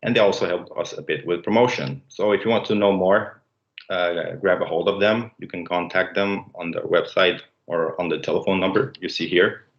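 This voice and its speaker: A man in his late twenties from Denmark, opening and hosting a student livestream in a casual, halting way with many fillers. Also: low voice. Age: late 20s. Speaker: student presenter. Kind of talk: livestream presentation. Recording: dull roomy sound.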